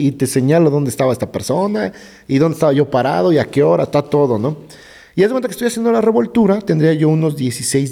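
A middle-aged man with a Mexican accent, a gravedigger telling ghost stories in a lively way, often dropping into hushed tones. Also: gravelly. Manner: vivid storyteller who sinks into hushed low tones. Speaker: gravedigger guest. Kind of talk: animated ghost-story telling in conversation. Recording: roomy reverb.

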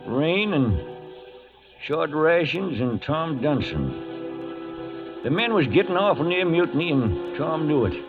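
An actor playing a folksy old trail hand, narrating a cattle drive in a drawling 1940s radio western style. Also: male voice, a little high, sing-song, slow, long pauses, full character voice. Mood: weary, foreboding. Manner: drawling, folksy cowboy talk. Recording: muffled old radio, loud music behind.

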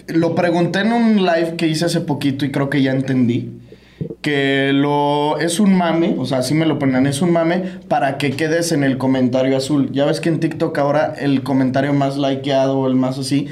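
A man with a Mexican accent hosting a podcast, talking in an animated, casual way that shifts into promo read-outs. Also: a little high, moderate pace. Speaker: podcast host. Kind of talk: casual chat.

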